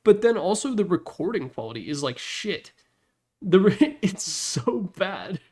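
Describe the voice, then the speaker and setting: A man speaks at a measured pace in a high, slightly mellow voice with big pitch swings. He's the host ranking game announcer packs, offering rambling, casual, blunt commentary laced with swearing, recorded in his room on a Yeti desktop microphone.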